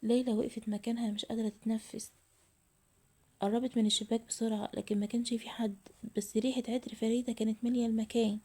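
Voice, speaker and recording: A woman with an Egyptian accent narrating a scripted horror story in an even, measured way. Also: fairly high pitch, breathy edge. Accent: Egyptian Arabic.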